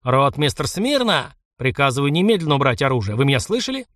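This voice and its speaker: A man's voice: mid-range voice, very animated, brisk, fairly bright tone, no room sound. A stern, commanding older male colonel in an audiobook, snapping out clipped orders in a firm voice, as a male narrator puts him on. The sound is dry, with no room around it. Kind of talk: audiobook character voicing.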